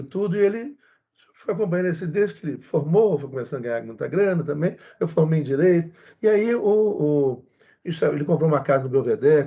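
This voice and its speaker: A man's voice: medium pitch, darkish tone. A Brazilian man giving a casual lecture, chatting and telling a story with many asides. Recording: husky voice, dull lo-fi sound.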